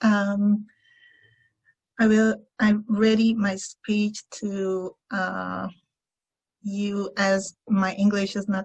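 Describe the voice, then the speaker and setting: Somewhat breathy and at a medium pitch, a woman speaks in a monotone, flat intonation, with a dry, close sound with no echo. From Turkey. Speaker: refugee volunteer and church member. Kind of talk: reading aloud prepared speech. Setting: video call.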